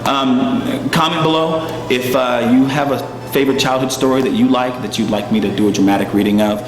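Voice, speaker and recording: A man talking casually to online viewers in a low-key, hesitant, informal way. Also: steady tone, a little fast, reverberant, big-room sound, rough recording. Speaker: actor, reader addressing online viewers.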